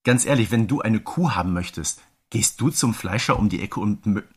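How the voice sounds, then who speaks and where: A man's voice: lowish voice, animated, normal speed, husky. A man co-hosting a podcast in casual, enthusiastic chat, telling things emphatically with plenty of rhetorical questions. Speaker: podcast co-host.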